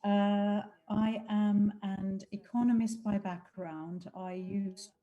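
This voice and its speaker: A woman's voice: medium pitch, slow, narrow, tinny audio. A woman from Finland introducing herself frankly on a video call. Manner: candid, lively and frank. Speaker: participant.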